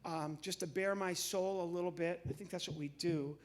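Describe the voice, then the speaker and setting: A middle-aged American man from the Midwest doing live comedy patter on stage, chatty and halting, often interrupting himself. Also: high-pitched, fairly even intonation. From Midwestern United States. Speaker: comedian and entertainer. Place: on stage in a large church hall.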